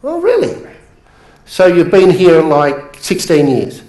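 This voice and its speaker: An Australian man giving an energetic, jokey motivational seminar talk, addressing the crowd. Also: sits high, slow. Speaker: motivational speaker. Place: large seminar room. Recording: echoey room.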